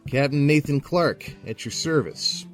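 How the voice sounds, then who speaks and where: A man's voice: a little high, expressive, unhurried, faint music behind. An actor playing a courteous, self-assured male captain in a naturalistic audio drama, politely commanding. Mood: pleased, authoritative.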